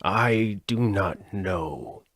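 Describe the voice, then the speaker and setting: A man's voice: fairly low pitch, animated, drawn-out words, fairly bright tone, dry recording, full character voice. A man voicing a grave, cautious country dweller from a storybook, giving solemn warnings. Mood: grave, cautioning. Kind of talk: storybook character voice.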